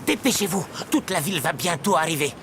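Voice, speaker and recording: A pompous, zealous civic crusader in an animated series. He declaims in a high, animated voice over loud music. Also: brisk.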